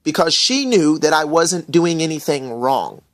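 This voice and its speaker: A man's voice: on the high side, very animated, a little slow, fairly bright tone, no room sound, studio quality. An American man casually recounting an incident to camera in a rambling, indignant rant full of fillers. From USA.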